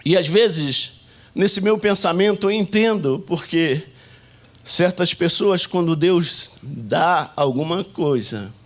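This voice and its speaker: A Brazilian man preaching a Sunday sermon, telling stories and acting out shouts and prayers as he goes. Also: medium pitch. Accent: Brazilian Portuguese. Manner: animated storytelling, acting out shouts and quoted prayers. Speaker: pastor.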